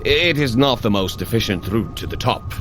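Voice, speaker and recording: A man's voice: mid-range voice, animated, normal speed, fairly bright tone, natural voice. An actor playing a hearty, jovial male thunder god who cheers on a runner in a scripted audio drama and laughs easily. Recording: music bed under the voice.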